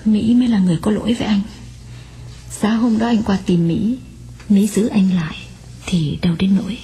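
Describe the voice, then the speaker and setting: A man reading aloud voices a grieving woman at her old lover's sickbed, speaking softly with a choked, pleading tone. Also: high voice, steady tone, moderate pace, pitched above the performer's own voice. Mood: tender, hushed. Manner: soft, choked, pleading, at times whispered. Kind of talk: audiobook reading.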